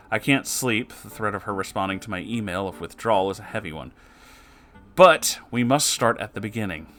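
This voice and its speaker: A man reading submitted stories aloud in a casual way, breaking in with animated, sarcastic and often sweary commentary. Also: on the low side. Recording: music behind the voice. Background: music.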